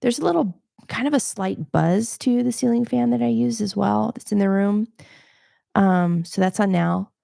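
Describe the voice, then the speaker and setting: A soft-spoken woman in her home studio, explaining her audio setup in a conversational, explanatory way. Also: mid-range voice, moderate pace, creaky. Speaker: audio gear reviewer. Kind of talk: livestream gear demo. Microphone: changing between studio mics.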